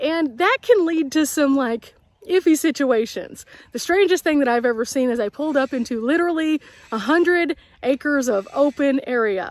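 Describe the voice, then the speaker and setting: A woman with a high pitch speaks with lively intonation, the sound dry and free of echo. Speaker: van life vlogger. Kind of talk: casual vlog chat. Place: open country. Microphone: phone near.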